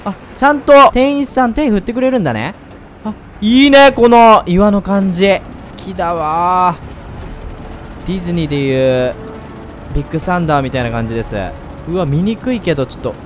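A man giving let's play commentary, chatty and excitable, talking straight to his viewers and breaking into loud whoops. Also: sits high, normal speed, faint music behind. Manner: chatty, speaks to viewers directly. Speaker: game commentator.

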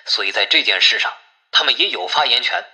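Man acting sharp-toned, anxious village kinsman. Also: mid-range voice, big pitch swings, fairly quick, rough recording. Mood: earnest. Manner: pleading, sighing. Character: anxious, resigned male village kinsman relaying bad news.

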